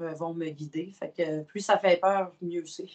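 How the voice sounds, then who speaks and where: A woman with a Quebec accent speaks in a fairly low pitch with ordinary pitch variation. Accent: Québécois French. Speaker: professional wrestler. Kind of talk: interview. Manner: hesitant, many fillers.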